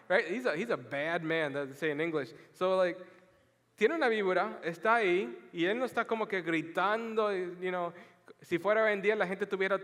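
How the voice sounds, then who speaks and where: A man preaching a sermon in an animated, joking storytelling manner, mixing scripture reading with lively asides. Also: high voice. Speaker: pastor. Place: church sanctuary. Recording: long reverb of a large hall.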